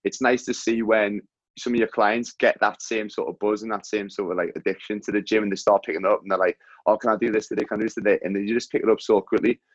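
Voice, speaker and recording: A man hosting a podcast in casual chat, calling his guest mate, his voice coming through low-quality, lo-fi audio from a faulty mic and a weak connection. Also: fairly even intonation, fast talker, no room sound. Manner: chatty, friendly, calls the guest mate. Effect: low-quality audio from a faulty mic and wifi. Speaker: podcast host. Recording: dull, lo-fi, dry mic audio.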